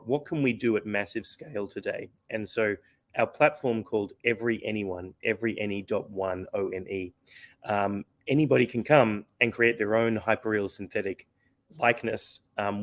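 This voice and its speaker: A man being interviewed as a company founder, explaining earnestly with frequent fillers and restarts while his voice is going hoarse. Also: lowish voice. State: losing his voice. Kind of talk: conversational interview answer.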